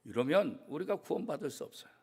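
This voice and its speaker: A man, a church pastor, preaching a sermon with strong emphasis, swinging from loud declarations to hushed, almost whispered asides. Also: fairly high pitch, sing-song, quick pace, breathy edge. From South Korea. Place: church sanctuary.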